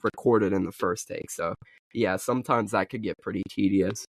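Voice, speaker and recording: A young man in a casual podcast chat, his voice sitting a little low. He talks in loose, halting runs packed with "like" and "uh". The sound is dry and close, with no room in it. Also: gravelly, no room sound. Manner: halting, filler-heavy, lots of "like". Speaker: podcast co-host and video creator.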